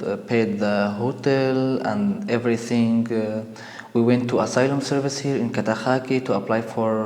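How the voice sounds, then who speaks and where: Halting young man, roomy echo. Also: mid-range voice, darkish tone. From Syria. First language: Kurmanji. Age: 20s. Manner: halting non-native English with frequent pauses and restarts. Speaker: interviewee. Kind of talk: personal testimony interview. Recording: roomy with long reverb.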